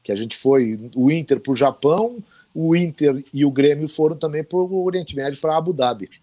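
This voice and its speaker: A man's voice: fairly high pitch, normal speed. A middle-aged man from Rio do Sul, a veteran sports reporter telling stories as a guest and acting out the voices he quotes. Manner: animated anecdotal storyteller who acts out quoted voices. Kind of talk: casual storytelling interview.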